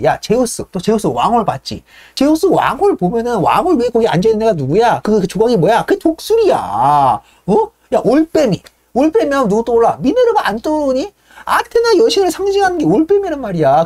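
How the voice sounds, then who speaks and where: A woman's voice: a little high, darkish tone. A woman playing a brash, scheming Athenian man who hectors the birds and keeps prodding them for agreement.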